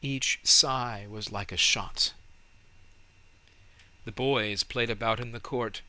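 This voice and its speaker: A man narrating a storybook in a measured, dramatic and expressive way. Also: medium pitch. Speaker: audiobook narrator.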